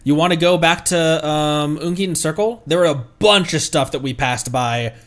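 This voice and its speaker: A man's voice: on the high side, moderate pace, a bit bright. A man streaming a video game with casual, playful live commentary, reacting and exclaiming as he plays. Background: faint game music.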